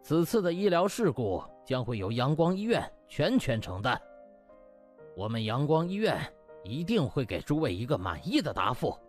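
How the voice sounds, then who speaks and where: A man's voice: mid-range voice, big pitch swings, normal speed, faint music behind, close to an everyday voice. Man playing a pompous, smug hospital director. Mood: pompous, placating. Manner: pompous, officious speechifying. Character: smug, scheming male hospital director feigning righteousness. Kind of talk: dramatised comic audiobook.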